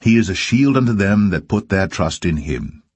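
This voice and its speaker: A man with a low, husky voice reads archaic scripture in a solemn, deliberate way. Each verse is carefully phrased and measured. The sound is close and dry, with little sense of a room. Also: lively intonation, a little mellow, no echo. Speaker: scripture reader. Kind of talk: solemn scripted Bible reading of archaic King James verse.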